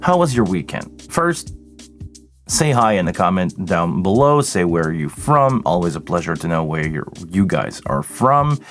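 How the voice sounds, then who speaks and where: Tired deep-voiced man. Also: very animated, unhurried, a bit bright, faint music behind. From Quebec, Canada. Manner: chatty, greets viewers by name, tired. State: tired, voice deeper than usual this morning. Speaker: live sound engineer hosting a livestream. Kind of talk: casual livestream Q&A chat.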